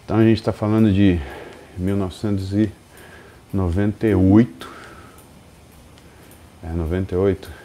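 A man's voice: low voice, steady tone, fast talker, mellow. A man in his forties with a Brazilian Portuguese accent, telling a story as host of a live stream and acting out the people in it.

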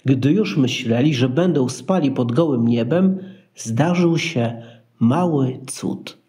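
A man's voice: medium pitch, slow, mellow. A man narrating a Christmas radio play in a scripted storytelling style.

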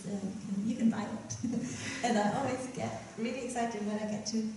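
A young woman poet giving a reading at a lectern on a dark stage, chatty and giggly between her poems and measured as she reads them. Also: a little high, fairly even intonation, slight background noise. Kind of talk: poetry reading. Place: dark stage at a festival event. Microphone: stand mic at a lectern. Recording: roomy hall, mic from a distance.

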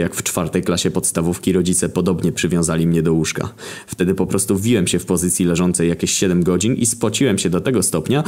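A young man narrating a satirical story in a deadpan, sarcastic, profane way. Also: deep voice. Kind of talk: scripted comic narration.

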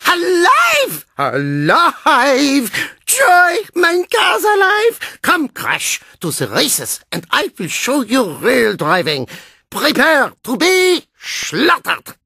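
A performer voicing an excitable, melodramatic male German racer who adores his car, in a video game, with a German accent and theatrical exclamations. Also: high voice, slow pace, vocal fry, dry recording, studio quality, heavily acted. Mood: manic joy. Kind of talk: video game character acting.

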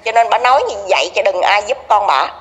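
A woman's voice: mid-range voice, animated, fast talker, a bit bright, long reverb tail. A middle-aged woman with a Southern Vietnamese accent, a neighbor being interviewed in casual conversation, gossipy and emphatic, repeating herself.

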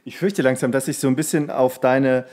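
Guy in his 30s just chatting on a podcast, medium pitch. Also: brisk, a little mellow. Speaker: podcast co-host. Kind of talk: casual chat.

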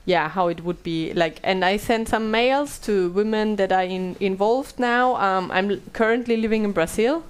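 Woman, thirties, headset mic, halting speech full of fillers. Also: mid-range voice, clean tone. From Austria. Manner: hesitant, many fillers and restarts. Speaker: panel moderator. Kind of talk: conference panel talk. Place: small bright meeting room.

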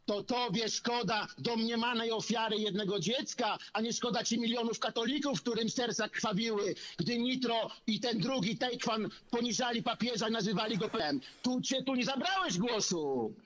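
A man's voice: very high voice, normal speed, few pauses, a bit bright. A man angrily addressing someone in a video, mocking and calling him a hypocrite. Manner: mocking, accusatory, name-calling.

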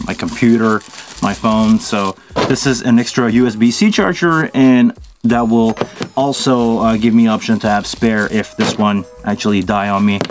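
Man, middle-aged, casual product reviewer, informal, thinking aloud, medium pitch, background music. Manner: informal, thinking aloud while handling gear. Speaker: video host, product reviewer. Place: small indoor studio at a table.

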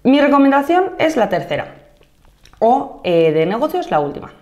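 Madrid woman teaching Japanese, clear and patient. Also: high-pitched, big pitch swings, darkish tone. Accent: Castilian Spanish, Madrid. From Spain (Madrid). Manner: clear explaining tone, slows down to model Japanese phrases, asks "¿vale?" often. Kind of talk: online video lesson.

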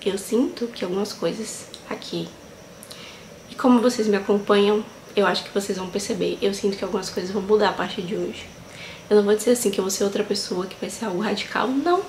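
A woman's voice: medium pitch, quick pace, a little mellow. A woman in her twenties vlogging to camera, speaking in an earnest, heartfelt way and often checking in with her viewers. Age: 20s. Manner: earnest, heartfelt, leans on fillers like "sabe" and "né". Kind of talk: casual reflective vlog talk. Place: small tiled room indoors. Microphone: camera at close range. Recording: echoey tiled room, faint noise.

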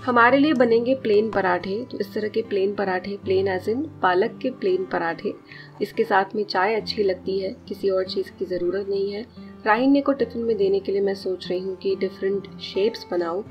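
A woman's voice: mid-range voice, normal speed, highs cut off, soft background music. Woman chatting through a home cooking vlog. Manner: chatty, explains steps as she works. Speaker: cooking vlogger. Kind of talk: casual cooking voice-over. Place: home kitchen.

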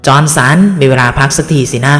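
A man voicing a decisive, caring male expedition team leader in an audiobook, giving brisk, urgent commands. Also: mid-range voice, flat delivery, a bit bright, big-room sound, soft background music, lightly acted. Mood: friendly.

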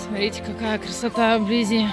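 A young woman vlogging casually on a handheld phone, chatty and expressive, with exclamations. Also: on the high side, brisk, music in the background. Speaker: family vlogger, mother. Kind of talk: casual vlog chat to viewers.

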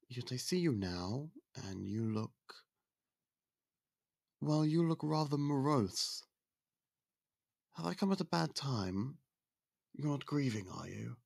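A man playing a gravelly-voiced courtly young prince. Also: fairly low pitch, dry recording, studio quality, full character voice. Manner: polite, formal, soft-spoken courtship talk. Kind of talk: ASMR roleplay.

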